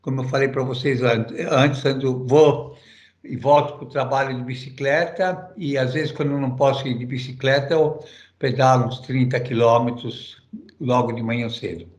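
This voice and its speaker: A man's voice: medium pitch, fairly even intonation, moderate pace, reverberant, lo-fi sound. A middle-aged man from Argentina, answering interview questions casually, rambling with many fillers and restarts. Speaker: interview guest.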